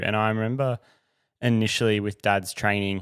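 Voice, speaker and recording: In a very clean recording with a silent background, a man talks in a fairly low pitch with monotone, flat intonation. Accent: Australian. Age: 30s. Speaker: podcast host. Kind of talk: casual chat.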